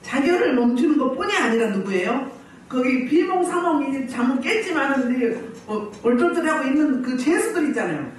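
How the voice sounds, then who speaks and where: High, lively woman preaching in echoey hall. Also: brisk. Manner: animated, often asks the congregation questions; laughs often while preaching. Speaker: pastor. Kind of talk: healing service sermon. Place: church hall. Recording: very echoey hall, mic at a distance.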